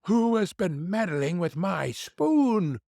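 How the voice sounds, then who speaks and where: Fussy little dwarfs asking indignant questions one after another, as a man reading a storybook puts them on. The voices sit higher than his plain narration and move slowly and deliberately. The recording is dry and close. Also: big pitch swings, vocal fry, mellow, no echo, exaggerated voice. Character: seven little male dwarfs, fussy and puzzled.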